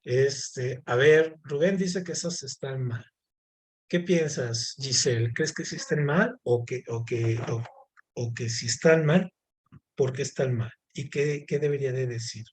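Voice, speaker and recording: A man's voice: mid-range voice, measured pace. A man teaching a class, asking students questions and explaining patiently with many fillers. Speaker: Spanish teacher. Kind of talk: online class lesson.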